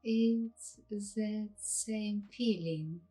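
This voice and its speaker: Very slow, hushed woman, ASMR meditation. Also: mid-range voice, slightly rough, faint music behind. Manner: hushed, unhurried, with long pauses between short phrases. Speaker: ASMR host and meditation guide.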